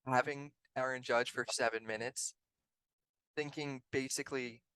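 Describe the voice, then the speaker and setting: A man's voice: mid-range voice, fairly even intonation, moderate pace, pushed and bright, clear, resonant tone, poor audio. A man co-hosting a sports podcast, talking through the numbers in a chatty, analytical way. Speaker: podcast co-host. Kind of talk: casual sports chat.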